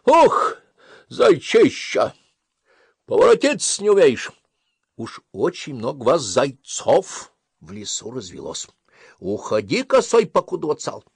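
A man voicing a sly female fox with a high sing-song, wheedling voice. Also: huge pitch swings, takes it slowly, creaky, slightly rough, dry recording, clean studio sound, heavily acted. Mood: rude. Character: sly vixen fox, wheedling then bullying.

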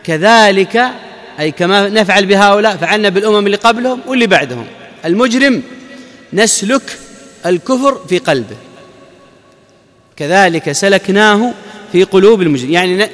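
Male scholar, high voice, Quran exegesis lesson, explains step by step, long hall reverb. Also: fairly bright tone. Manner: explanatory, asks the audience questions then answers. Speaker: Islamic scholar.

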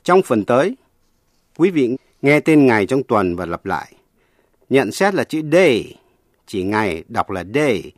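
Slow, measured male radio teacher. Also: mid-range voice, very animated, soft background music. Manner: measured, explanatory. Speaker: language teacher. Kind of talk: scripted radio lesson narration.

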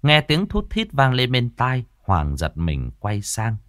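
A man narrating a storybook in an expressive storyteller way. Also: mid-range voice, takes it slowly, dry recording, clean studio sound. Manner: expressive, rising and falling storyteller delivery.

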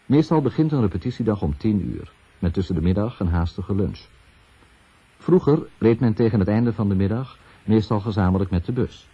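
Low husky male narrator on old radio. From Netherlands. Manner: measured, enumerating in short phrases. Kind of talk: scripted documentary narration. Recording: dull 1970s radio recording.

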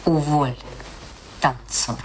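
An actress playing a haughty, sharp-tongued middle-aged wife in a radio play, proud and dismissive. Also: female voice, deep voice, steady tone, drawn-out words, heavy background noise.

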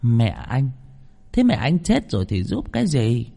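A man voicing a shrewd, stern woman healer who speaks in a low, measured voice. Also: huge pitch swings, creaky, warm tone, heavily acted. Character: shrewd middle-aged female spirit healer, stern.

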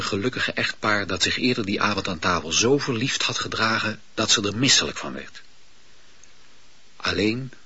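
A man narrating a radio play in a measured, intimate storytelling manner. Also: fairly low pitch, sharp tone, slightly rough. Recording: dull lo-fi radio recording.

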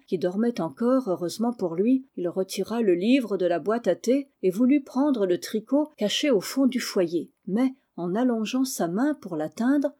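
A woman's voice: mid-range voice, dark tone. A woman narrating a classic children's novel as an audiobook, reading steadily and doing all the character voices. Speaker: audiobook reader.

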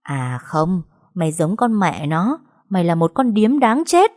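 A woman's voice: lowish voice, big pitch swings, unhurried, a little mellow, no room sound, studio quality. A woman voicing a cruel, scheming female villain who sneers and hisses threats. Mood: raging.

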